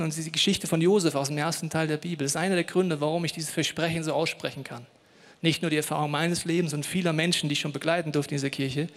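A man's voice: on the high side, big-room sound. A male pastor giving a sermon in a church, speaking personally and directly to the listener and telling a story dramatically. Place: church hall.

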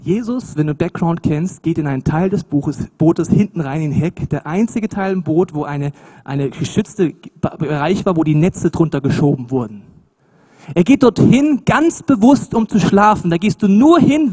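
A man preaching a sermon in an animated, emphatic, colloquial way, with swings between loud emphasis and hushed asides. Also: high-pitched, normal speed.

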